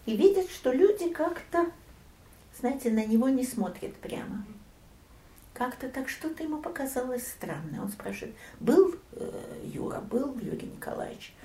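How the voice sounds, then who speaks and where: An older woman recounting family memories in an interview, storytelling with lively swings and soft near-whispered asides. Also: high-pitched, normal speed, roomy sound. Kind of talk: oral history reminiscence.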